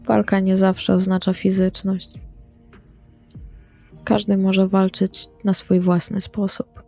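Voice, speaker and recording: A woman playing an earnest, subdued female vampire in a role-playing audio drama, speaking in a quiet, measured way. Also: medium pitch, monotone, vocal fry, soft background music. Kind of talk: in-character role-play dialogue.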